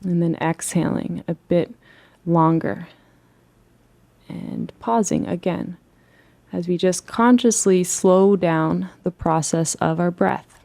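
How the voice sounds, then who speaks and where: A woman leading a guided relaxation as a meditation teacher, speaking in a soothing, gentle and unhurried way. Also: fairly low pitch, gravelly.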